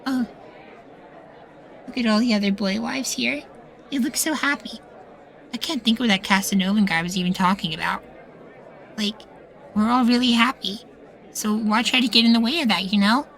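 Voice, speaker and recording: A woman's voice: on the high side, moderate pace, vocal fry, long pauses, a faint crowd. A woman playing a meek, sweet young boywife in a futuristic ASMR roleplay, hesitant and full of trailing questions. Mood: gentle, wondering. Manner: hesitant, soft-spoken pleading, trailing questions.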